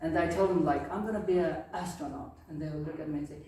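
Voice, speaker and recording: A man's voice: fairly high pitch, racing, warm tone. A man in his thirties from Shymkent with a Kazakh accent, telling a funny personal story as a club speech and often laughing. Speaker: club speaker. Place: club meeting room. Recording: echoey room, distant mic.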